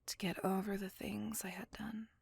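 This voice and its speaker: A woman voicing a brooding, possessive female vampire in a whispered ASMR roleplay, speaking in a soft, breathy, gravelly whisper close to the mic. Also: medium pitch, flat delivery, normal speed, dry recording. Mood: brooding confessional. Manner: soft confessional whisper throughout.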